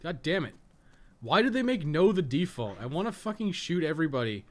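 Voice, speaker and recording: A man's voice: on the high side, big pitch swings, a little fast. A man giving casual, rambling live-stream game commentary, swearing and joking with his chat as he plays.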